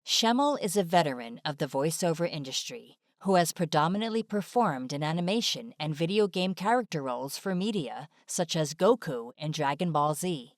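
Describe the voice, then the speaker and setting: Low-pitched woman narrator, very dry sound. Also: lively intonation, moderate pace, dry recording. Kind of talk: scripted informational narration. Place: dry studio-like voice-over recording.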